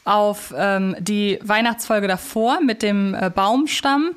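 A woman's voice: medium pitch, slow, clear, resonant tone. Woman podcast host, casual review talk, wordy, opinionated but careful with her points. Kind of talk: casual review chat about audio dramas.

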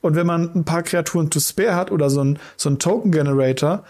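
A man's voice: on the high side, quick pace, a little mellow. A man co-hosting a casual podcast, explaining card game rules in detail with dry ironic asides. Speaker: podcast co-host. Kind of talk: casual podcast chat about card games.

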